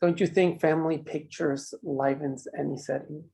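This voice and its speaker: A man acting a menacing mine boss in a drama table read, speaking in measured, condescending threats. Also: on the high side, steady tone, gravelly, dark tone. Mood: smug, taunting. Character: menacing, controlling male mine boss, coolly cruel.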